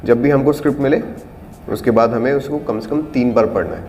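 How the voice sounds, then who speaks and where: A man's voice: medium pitch, fast, darkish tone. A man teaching an acting class, explaining auditions patiently and demonstrating lines in different tones and volumes. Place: acting studio room. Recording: reverberant room with faint background noise.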